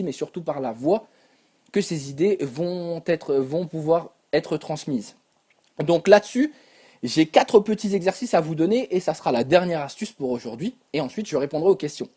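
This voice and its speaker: Animated young man coaching speaking. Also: sits high. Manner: animated, demonstrates whispering and shouting. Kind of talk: live-stream coaching, answering viewers.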